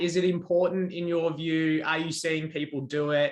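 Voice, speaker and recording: A man speaks with an Australian accent at a fairly high pitch. The recording is very clean, with a silent background. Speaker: podcast host. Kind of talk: podcast interview. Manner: halting, with many fillers.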